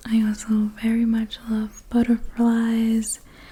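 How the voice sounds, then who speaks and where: A soft-spoken voice talks at a very slow pace over noticeable background noise. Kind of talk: ASMR soft-spoken show and tell.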